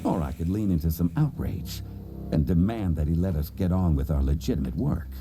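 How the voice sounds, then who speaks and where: A man's voice: sits low, animated, fairly quick. A man voicing a hard-boiled, melodramatic cartoon detective in noir parody narration. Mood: wry. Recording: music behind the voice.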